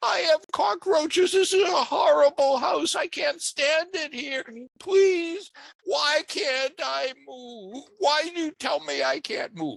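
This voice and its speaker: In a put-on character voice, a man whines at an extremely high pitch and a fairly slow pace. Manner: whiny.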